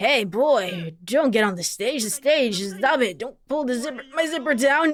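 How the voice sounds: This is a put-on character voice with a fairly high pitch. It moves at a moderate pace with hardly any pauses. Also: female-sounding voice.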